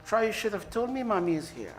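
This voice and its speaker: A man's voice: high-pitched, big pitch swings, fast talker. A man leading a temple ceremony, giving the congregation live directions with joking, apologetic asides.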